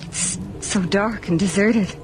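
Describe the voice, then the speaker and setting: A woman's voice: mid-range voice, slow, natural voice. An actress playing a nervous but wry young woman lost in the snow in a radio horror drama, stammering and hesitant. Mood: uneasy. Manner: stammering, hesitant, breathy exclamations. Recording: very noisy old radio drama recording.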